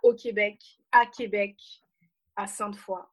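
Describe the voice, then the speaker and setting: A woman's voice: medium pitch, level tone, unhurried. A young woman from France co-hosting a podcast, explaining things casually with lots of fillers and slang. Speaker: podcast co-host. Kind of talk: casual chat.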